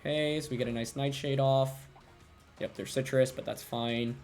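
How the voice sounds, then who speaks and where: A man's voice: mid-range voice, fairly even intonation, moderate pace, a little mellow, soft background music. A young man commentating his own competitive video game battle, thinking aloud and second-guessing his plays. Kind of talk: live gameplay commentary.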